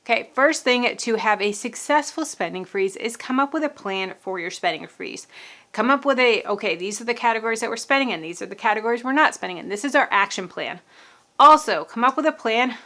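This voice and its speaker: A woman's voice: on the high side, a bit bright. A young adult woman giving casual, upbeat money-saving advice to camera, chatty and repetitive, slightly out of breath from pregnancy. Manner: upbeat, chatty, repeats key phrases. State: pregnant, may sound out of breath. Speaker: personal finance vlogger.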